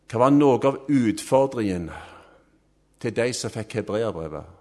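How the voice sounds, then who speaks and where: Man, preacher, sermon, emphatic, loud swells, hushed low phrase endings, mid-pitched voice. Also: animated.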